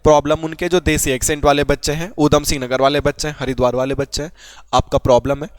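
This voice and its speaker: A man's voice: a little high, level tone, quick pace, dry recording. A young man from Garhwal teaching an informal exam-prep lesson, chatty, asking and answering his own questions. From Uttarakhand, Garhwal.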